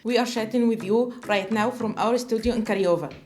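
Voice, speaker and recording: Soft background music plays as an Egyptian woman in her 20s co-hosts a podcast from a small studio. Her voice is slightly high and darkish at a normal pace, and she questions guests hesitantly, saying "uh" a lot in the casual chat.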